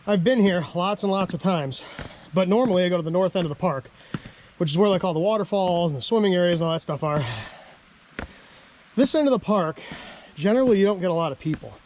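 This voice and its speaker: An American man, out of breath after a hike, vlogging outdoors in a chatty, self-deprecating way and clearing his throat often. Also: high voice, quick pace, pauses often, darkish tone, a little hiss or hum. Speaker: ham radio vlogger. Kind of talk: casual outdoor vlog. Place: outdoors on a dam in a park.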